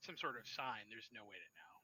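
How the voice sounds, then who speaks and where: A man narrating as storyteller of a tabletop role-playing game, with halting restarts. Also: on the low side, expressive, pushed and bright, husky, dry recording, low-quality recording.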